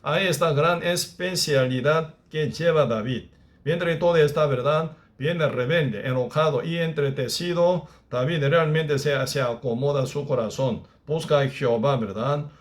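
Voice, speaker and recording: A man leading a Bible study as pastor, reading scripture aloud and often tagging his sentences with a question to his listeners. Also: a little high. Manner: peppers speech with tag questions; reads scripture aloud at a slower pace.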